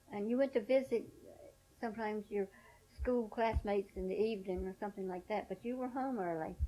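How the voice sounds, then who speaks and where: Talking at a very fast pace, a woman with an American accent has a fairly high voice with a dark, mellow tone and ordinary pitch variation. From US South, Outer Banks of North Carolina. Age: 70s. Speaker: oral history interviewee. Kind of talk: oral history interview.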